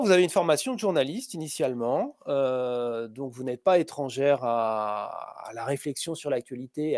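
A middle-aged man interviews a writer over a webcam, his voice sitting a little high for a man. He hesitates constantly, filling gaps with drawn-out filler sounds. The sound is dry and close, with no room around it. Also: mellow, dry recording. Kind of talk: literary interview on a video call. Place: room with posters behind. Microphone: webcam on a video call.

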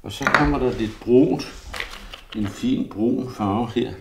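A man's voice: mid-range voice, very noisy. A man who is an artist, thinking aloud as he demonstrates a pastel drawing, rambling and often murmuring to himself. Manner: rambling, self-murmuring, often drops to a near mutter.

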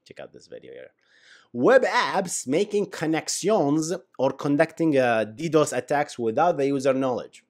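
Animated man with an Arabic accent. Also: fairly high pitch, normal speed. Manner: animated, chuckling asides, drops to mumbles. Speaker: tech YouTuber. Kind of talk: casual tech commentary.

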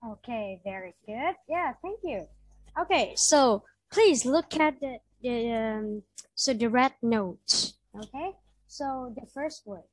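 A woman's voice: a little high, expressive, slow pace, breathy edge, dry recording, low-quality recording. A woman with a Vietnamese accent tutoring English pronunciation online, patiently modeling words and repeating them for her student.

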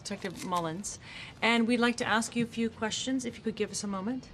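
A woman's voice: on the high side, a little fast, faint music behind, lightly acted. An actress playing a prim, by-the-book female federal agent, formal and awkwardly polite, in a comedy film. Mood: polite, official. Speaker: FBI special agent.

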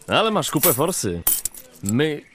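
A man's voice: fairly high pitch, very animated, slow pace, fairly bright tone, a little hiss or hum, exaggerated voice. A man playing a brash, fun-loving young city fellow in a cartoon dub, with jovial, teasing, slangy talk. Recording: music and crowd behind the voice.

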